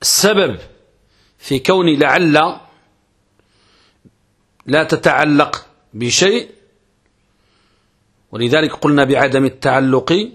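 Husky sheikh teaching grammar, asks himself questions then answers, slows down to chant a line of verse. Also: male voice, on the high side, a bit bright. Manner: explains step by step, asking and answering his own questions. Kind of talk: grammar lesson.

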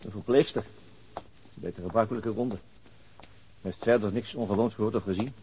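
An actor in a radio drama playing a weary, middle-aged veteran police detective, gruff but fatherly, in a naturalistic style. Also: fairly low pitch, brisk, mellow, natural voice. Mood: sober, businesslike. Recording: noisy radio drama recording.

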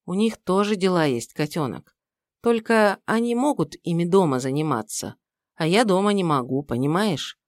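A woman voicing a tired, guilt-ridden young father who talks softly and in a subdued way, read as an audiobook character. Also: fairly low pitch, animated, normal speed, no echo, studio quality, natural voice. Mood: tender. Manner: subdued, soft-spoken.

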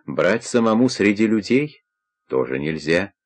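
A man narrating a crime novel as an audiobook in a steady, measured reading. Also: lowish voice.

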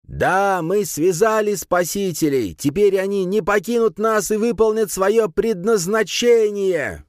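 A man voicing an excitable old male tribal priest, fervent and loud. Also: normal speed, dry recording, clean studio sound. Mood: ecstatic shouting. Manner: shrill, fervent, shouting.

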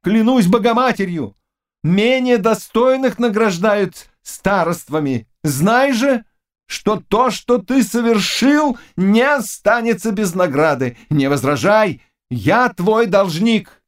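Impassioned royal figure, high and declaiming, read by a male narrator. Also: expressive, a little slow. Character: old king, commanding, fiery and emotional.

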